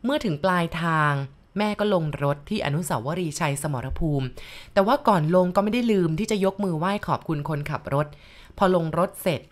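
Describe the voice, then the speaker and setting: A woman's voice: lowish voice, animated, a little fast. A woman narrating a ghost story in a polite manner, speaking directly to her listeners.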